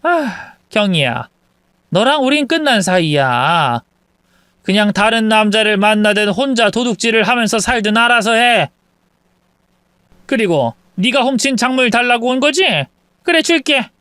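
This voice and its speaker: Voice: mid-range voice, lively intonation, a little slow, a bit bright, clear, resonant tone, dry recording, clean studio sound, voice pushed up. A reader voicing a scheming older mother-in-law who runs a family of thieves, speaking with scolding contempt. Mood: scornful.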